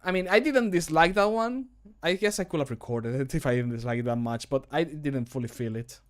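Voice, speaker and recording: A man in his thirties, a streamer and game modder, chats casually on a livestream from a small room at home. His voice sits on the high side and moves fairly quickly, rambling and self-deprecating.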